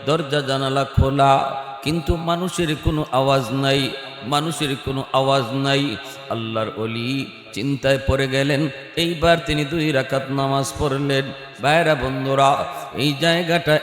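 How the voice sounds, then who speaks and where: A male preacher, telling a story in a melodic, sing-song chant that swells high. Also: steady tone, normal speed. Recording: echoey hall with faint music.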